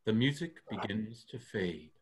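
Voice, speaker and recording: A man's voice: on the low side, lively intonation, unhurried. A man reading stage directions as scripted narration for a play.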